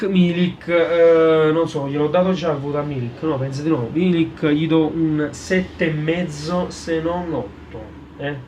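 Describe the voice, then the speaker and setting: A man with a Neapolitan accent giving casual football fan commentary for a vlog, in colloquial street slang, often halting and repeating words for emphasis. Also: a little high, highs cut off, a little hiss or hum. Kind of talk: casual post-match player ratings, fan commentary. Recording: clear music behind the voice. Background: music.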